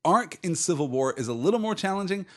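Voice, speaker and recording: A man's voice: high voice, expressive, fast. A man co-hosting a casual discussion podcast, speaking in a thoughtful, analytical and articulate way. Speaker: podcast co-host. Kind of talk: casual film and comics discussion.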